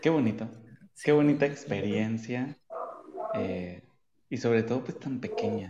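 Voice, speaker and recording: Male voice at medium pitch, fairly slow, with lively intonation and long, frequent pauses. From Colombia. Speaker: podcast co-host and music teacher. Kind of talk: interview.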